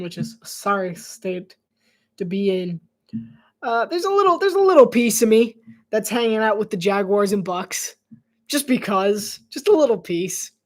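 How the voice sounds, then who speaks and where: Chatty play-by-play livestream commentator, male. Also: high voice. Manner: chatty, rambling asides, frequent laughs; drops to soft whispered asides. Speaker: live game commentator.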